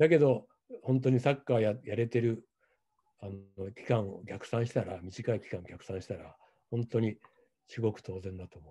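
At a moderate pace, a man speaks in a somewhat breathy voice. His loudness swings widely. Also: ordinary pitch variation, quiet background. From Japan. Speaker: football coach; football coach in a dialogue. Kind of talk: casual chat. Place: home room. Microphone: video call.

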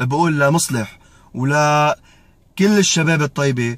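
A man with a fairly high pitch speaks at a fairly slow pace, his voice somewhat breathy and his intonation fairly even. The sound is dry with no echo, over a quiet background. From southern Lebanon, Hasbaya district; southern Lebanon. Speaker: Lebanese expatriate activist. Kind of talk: political video message. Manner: impassioned. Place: car. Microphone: phone near.

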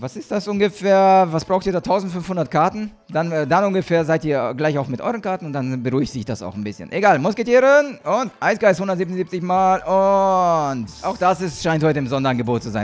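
A man talking at a fairly quick pace with hardly any pauses, faint music in the background. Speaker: game streamer. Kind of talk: casual live-stream commentary.

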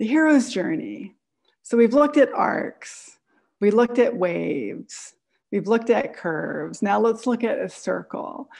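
With an American accent, a woman talks at a fairly slow pace with vocal fry and very wide pitch swings against a quiet background. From Philadelphia, US. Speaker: design writer and curator; design lecturer. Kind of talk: lecture. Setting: video call from home. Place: home room. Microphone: earbuds.

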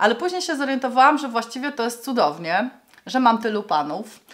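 A woman's pitch swings very widely as she talks at a moderate tempo against a quiet background. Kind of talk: casual vlog chat. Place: home room.

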